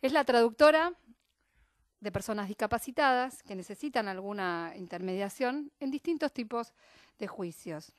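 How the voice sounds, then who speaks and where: A woman's voice: on the high side, animated, normal speed, no room sound. A woman with an Argentine Spanish accent, a radio interviewer who introduces her guest in a friendly way and asks her questions in a studio.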